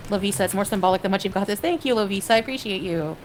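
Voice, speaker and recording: A woman's voice: medium pitch, racing, a little hiss or hum. A woman from Canada chatting on a livestream, hesitant and rambling, with lots of fillers as she reads viewers' comments. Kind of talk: casual livestream chat.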